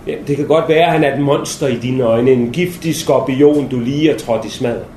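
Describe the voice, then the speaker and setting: A man playing a stern, earnest male army captain, speaking low, quiet and insistent, in a roomy space with faint noise. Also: close to an everyday voice.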